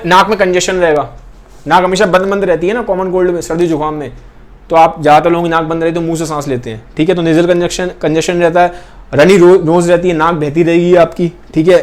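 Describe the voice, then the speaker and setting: A young man teaching a biology class, repeating key points and often checking in with his students. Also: a little high. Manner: points at pictures while explaining. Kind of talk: explaining a class lesson.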